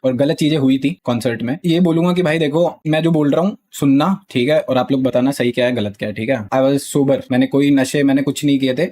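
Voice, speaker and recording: A man's voice: mid-range voice, a little mellow. A young man with an Indian accent talks to his stream chat, heated and defensive, often repeating the same filler. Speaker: gaming streamer. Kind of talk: live stream talk to chat.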